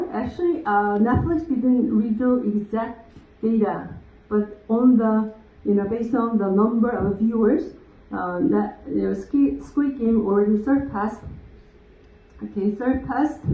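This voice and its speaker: In a Korean accent, a woman with a somewhat breathy, fairly high voice speaks at a fairly slow pace with long, frequent pauses, and room echo is audible. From South Korea. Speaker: lecturer. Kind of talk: lecture. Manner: halting, many fillers.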